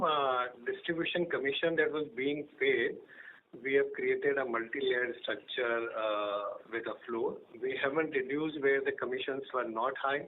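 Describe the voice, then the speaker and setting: Indian executive on a noisy phone line. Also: male voice, medium pitch. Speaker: company executive answering analysts. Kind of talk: earnings call answers. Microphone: telephone conference line. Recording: noisy narrow-band phone conference line.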